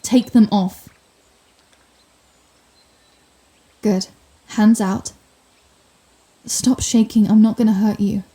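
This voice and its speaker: A woman's voice: mid-range voice, steady tone, slow pace, dark tone. A woman playing a sardonic telepathic supervillain in an ASMR roleplay, theatrical and sarcastic, menacing with a hidden compassionate streak. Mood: softening, concerned. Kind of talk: ASMR roleplay audio drama.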